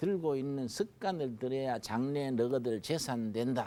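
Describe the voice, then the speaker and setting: A man with a dark, mellow tone talks fairly slowly at a fairly high pitch. The recording is very clean, the background silent. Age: 60s. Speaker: pastor. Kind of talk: sermon. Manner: conversational storytelling.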